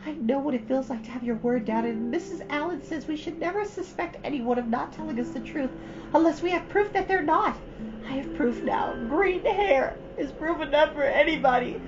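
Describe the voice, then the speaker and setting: Woman putting on a very high, melodramatic young girl. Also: moderate pace, highs cut off, music in the background, lightly acted. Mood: dejected, protesting.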